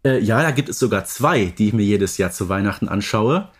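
A man's voice: lowish voice, expressive, fairly quick. A man co-hosting a podcast in casual, unscripted conversation. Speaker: podcast co-host.

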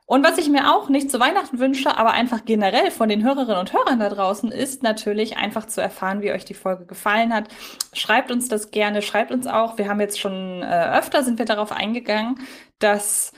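A woman's voice: a little high, brisk. A woman from Germany co-hosting a podcast in a casual, conversational style. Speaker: podcast co-host.

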